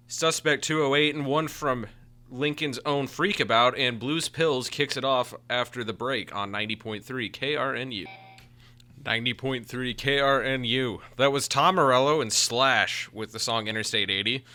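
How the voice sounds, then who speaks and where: A man's voice: medium pitch, sharp tone. An American man working as a radio DJ, announcing music and chatting in a casual, enthusiastic way.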